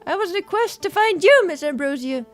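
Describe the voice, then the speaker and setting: A woman reads the part of a gallant knight from a visual novel. The voice is high and courteous, with formal, courtly phrasing. Faint music plays behind it. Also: lively intonation, fairly quick.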